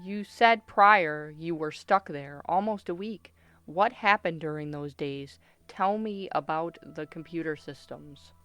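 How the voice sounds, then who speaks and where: A woman's voice: low voice, unhurried, a bit bright, clean tone. A woman playing a ruthless, impatient doctor leading an interrogation in a radio play, clipped and commanding. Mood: pressing.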